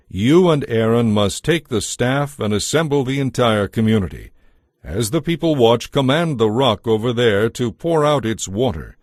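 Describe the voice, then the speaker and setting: A man narrating scripture from a script in a solemn, deliberate, clearly enunciated storytelling style. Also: medium pitch, darkish tone, no room sound, studio quality. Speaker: Bible narrator.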